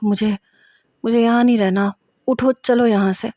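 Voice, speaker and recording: A woman's voice: a little high, steady tone, warm tone, no echo, studio quality, lightly acted. A woman voicing a frightened, pleading young student. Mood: scared pleading. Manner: pleading and insistent.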